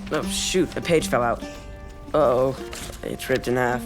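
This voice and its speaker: A man's voice: medium pitch, fairly even intonation, a little slow, music in the background, natural voice. An actor playing a stubborn teenage boy in an audio drama, earnest and protesting. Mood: curious.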